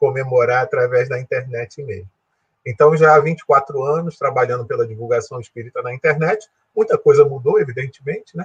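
This man's voice sits fairly high. A somewhat breathy quality runs through it. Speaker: spiritist lecturer. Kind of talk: religious lecture.

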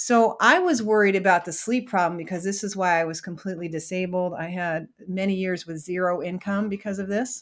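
In an Upstate New York accent, a woman with a medium pitch talks at a fairly quick pace on a very clean recording with a silent background. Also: fairly even intonation. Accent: Upstate New York American. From Syracuse, New York. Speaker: nutrition author and public health researcher. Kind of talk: interview.

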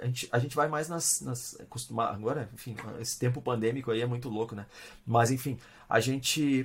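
Recorded very cleanly against a silent background, the voice keeps a moderate pace and shows ordinary pitch variation. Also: man. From southern Brazil, Porto Alegre area. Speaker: game studio co-founder and marketing director. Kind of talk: interview. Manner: halting, many repetitions.

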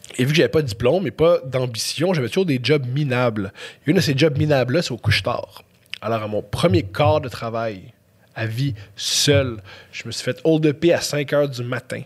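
Somewhat breathy, a man speaks at medium pitch and a moderate pace with ordinary pitch variation. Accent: Quebec. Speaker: comedy writer and podcaster. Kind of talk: casual chat.

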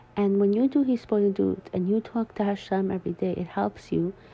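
A woman speaks at medium pitch and a moderate pace in a plain, everyday voice. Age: 30s. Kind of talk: personal spiritual monologue.

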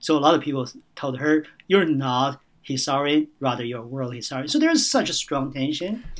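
Someone with a Chinese accent speaks at a moderate pace with ordinary pitch variation. The recording is very clean, with a silent background. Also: man. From China. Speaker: historian, book author. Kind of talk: interview. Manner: halting, many fillers.

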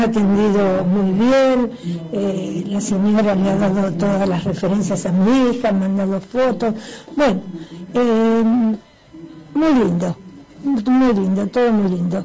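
A woman speaks at a very slow pace and medium pitch, with ordinary pitch variation and very even loudness. Noticeable background noise and audible room echo are present. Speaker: listener caller. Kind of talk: voice message to radio show.

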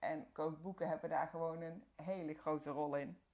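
A woman with an unremarkable speaking voice talks at a moderate pace, her pitch fairly low and her intonation fairly even. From Noord-Brabant, Netherlands. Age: 30s. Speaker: cookbook podcast host and food blogger. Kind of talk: casual solo podcast monologue. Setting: converted shed used as a small office. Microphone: recorded on phone with earbuds.

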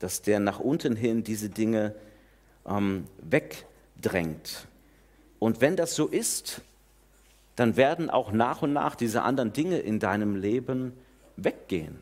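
The speaker moves at a very slow pace with long, frequent pauses, yet the intonation is lively. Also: man, medium pitch for a man. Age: 30s. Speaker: pastor. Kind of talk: sermon.

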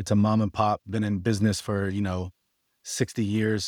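With an American accent and a fairly low pitch, a man has an unremarkable speaking voice, recorded very cleanly against a silent background with a dry, close sound and no echo. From Pittsburgh, Pennsylvania. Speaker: sneaker designer. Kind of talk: casual interview.

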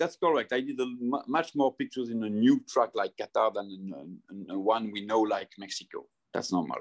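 A man with a French accent speaks at a fairly quick pace, his lively intonation paired with big swings in loudness, in a dry, close sound with no echo. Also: medium pitch for a man. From French-speaking Switzerland. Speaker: motorsport photographer. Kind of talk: interview. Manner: halting.

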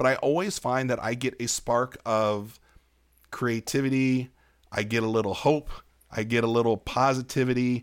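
This man has an unremarkable speaking voice, pitched in the medium range. He keeps a moderate pace, with fairly even intonation. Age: 40s. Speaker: podcast host. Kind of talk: casual chat. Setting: video call.

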